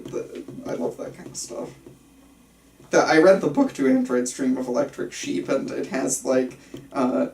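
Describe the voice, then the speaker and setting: A man in a casual group discussion, explaining ideas enthusiastically in halting, digressive runs. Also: medium pitch, vocal fry, darkish tone. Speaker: participant at a film script table reading. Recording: roomy, picked up from a distance.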